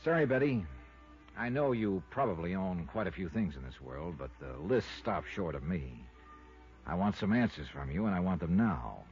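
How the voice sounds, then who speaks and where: An American actor playing a tough, wry, skeptical insurance investigator with clipped delivery in 1950s radio style. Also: male voice, low-pitched, expressive, moderate pace, darkish tone. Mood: skeptical, pressing. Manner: clipped, hardboiled, pointed. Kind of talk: 1950s radio detective acting. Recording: dull vintage radio recording, faint music.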